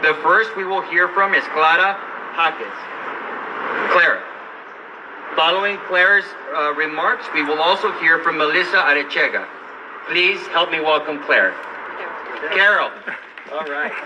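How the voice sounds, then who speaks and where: A man from Los Angeles, a lawyer and advocate, giving a measured, earnest speech at a press event. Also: fairly high pitch, lively intonation, muffled recording. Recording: distant mic with light background noise.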